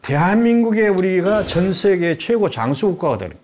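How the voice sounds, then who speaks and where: A man's voice: high-pitched, moderate pace, a crowd in the background. An older man giving an explanatory talk-show lecture as a guest expert, posing rhetorical questions and answering them in an emphatic, teacherly way. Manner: lively, emphatic teacherly delivery.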